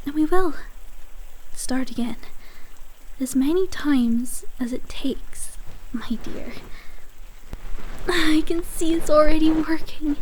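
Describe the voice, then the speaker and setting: A woman playing an obsessive, possessive yandere asylum patient in an ASMR audio drama, breathy and halting, often slipping into whispers. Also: high voice, a little mellow, slight background noise, rough recording. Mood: tender, fixated. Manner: slow, halting, repeating words for menace.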